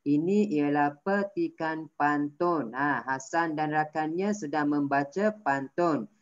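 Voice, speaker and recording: Malaysian woman teacher, low voice, patient and coaxing, online class on a dull call line. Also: takes it slowly. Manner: patient, coaxing, prompts and corrects pupils. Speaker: primary school teacher.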